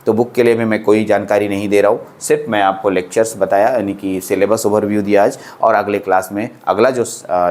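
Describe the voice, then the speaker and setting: Chatty low-voiced man teaching electronics. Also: a little mellow. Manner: chatty, reassuring, repeats phrases, says "theek hai" often. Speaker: polytechnic lecturer. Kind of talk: classroom lecture in casual Hindi with English terms.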